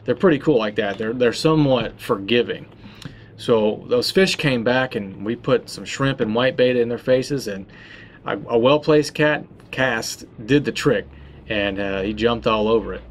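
In this casual fishing how-to talk, a tackle shop host from Florida in his thirties speaks at a moderate pace with a mid-range voice. He's relaxed, full of uh fillers and restarts, over slight background noise.

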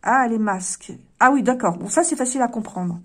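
Woman, card reader, fairly high voice, musing, thinks aloud, many fillers, talks to viewers. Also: expressive, brisk, husky. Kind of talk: casual card reading to camera.

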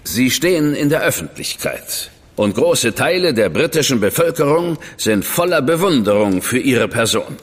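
A man's voice: medium pitch, very animated, normal speed, few pauses, long reverb tail. An actor playing a stern, powerful government man in a radio drama, speaking in a curt, cool and commanding manner. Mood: stern, warning. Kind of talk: German studio radio drama acting.

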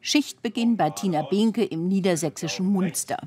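A woman's voice: medium pitch, normal speed, darkish tone. A woman reading scripted narration for a television documentary report.

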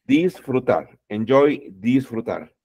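A man teaching a class, repeating each word and its translation, calling out words loudly and then dropping his voice. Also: medium pitch, lively intonation, slow pace, breathy edge. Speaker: English teacher. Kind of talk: classroom lesson.

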